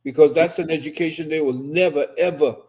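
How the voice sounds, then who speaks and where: Older guy from trinidad on a video call, slightly high voice, preachy and emphatic. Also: fairly even intonation, fairly quick, a little mellow, slightly rough. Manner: emphatic storyteller, lectures with conviction. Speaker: co-host. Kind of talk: casual video call chat. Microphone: webcam on video call.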